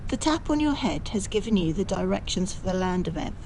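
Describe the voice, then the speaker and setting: A woman's voice: lowish voice, very animated, brisk, a little mellow, slight background noise, poor audio. A woman playing an earnest good witch who explains things in an amateur audio drama.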